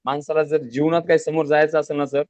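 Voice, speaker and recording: A man's voice: on the high side, level tone, fast, a little mellow, no echo. A man guest telling how he built his business, in an earnest, plain-spoken way with many restarts. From Maharashtra, India. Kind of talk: casual storytelling interview. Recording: dull lo-fi audio.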